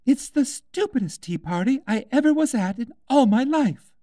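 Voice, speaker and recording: A man's voice: extremely high pitch, lively intonation, normal speed, dark tone, no room sound, clean studio sound, pitched above the performer's own voice. A man voicing a polite but easily offended, curious young girl in a storybook. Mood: curious, decided.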